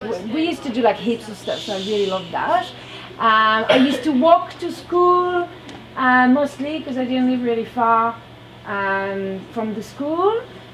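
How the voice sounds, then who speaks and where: Over noticeable background noise, a woman with a French accent and a high pitch talks at a moderate pace, her pitch swinging very widely. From France. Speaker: guest speaker talking to students. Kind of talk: informal talk to a youth group with questions.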